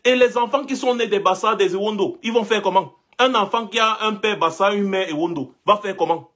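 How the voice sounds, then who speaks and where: A man's voice: high-pitched, brisk, fairly bright tone. A young man from Cameroon giving an impassioned monologue, rhetorical and insistent, repeating his points. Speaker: commentator.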